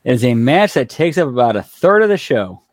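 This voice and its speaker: A man co-hosting a wrestling podcast, chiming in with quick opinions and leaning on "like" as he talks. His pitch sits in a middle range. The sound is dry and close, with no room echo. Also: sing-song. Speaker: podcast co-host. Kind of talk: casual wrestling recap chat.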